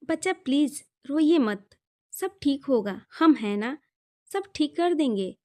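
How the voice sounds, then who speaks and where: A devoted, protective young husband voiced by a woman reading the story aloud. His lines come in a high, light voice that is tender and firm by turns. It is an audio story reading. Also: measured pace, close to an everyday voice.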